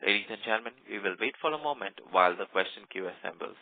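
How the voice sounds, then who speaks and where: A man's voice: lowish voice, lively intonation, fast, gravelly, no echo. A man working as a conference call operator, reading scripted formal announcements and instructions to participants. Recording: dry, narrow phone line.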